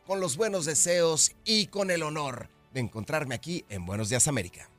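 A man's voice: on the high side, normal speed, soft background music. A man presenting sports news on a morning show, then joking and laughing in studio banter with his co-host. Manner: lively, playful, laughs easily.

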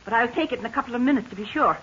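A woman's voice: on the high side, lively intonation, very fast, a bit bright, slightly rough. An actress playing a practical, motherly woman tending a patient, matter-of-fact, in 1940s radio serial style. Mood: caring, firm. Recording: dull, hissy 1940s radio recording.

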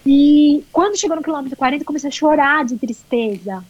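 A woman's voice: high voice, fairly quick, dull audio. A Brazilian woman with a Brazilian Portuguese accent, a marathon runner telling her story in an interview, emotional, repetitive and colloquial, with some swearing.

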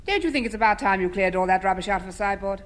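An actress in a 1950s radio comedy playing an exasperated, practical woman urging a clear-out. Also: medium pitch, rapid-fire, lightly acted.

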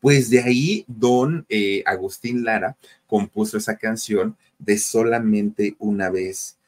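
A man hosting a podcast, telling an anecdote in an animated way and acting out what people said. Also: on the low side, slow. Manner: animated storyteller, acts out dialogue with lively swings. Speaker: podcast host. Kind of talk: storytelling to listeners.

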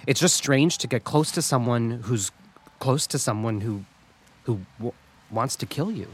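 An actor playing a hurt, sarcastic young gay customer-service rep with a halting, passive-aggressive way of talking in an audio comedy-drama. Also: male voice, medium pitch, breathy edge. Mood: unsettled, reflective.

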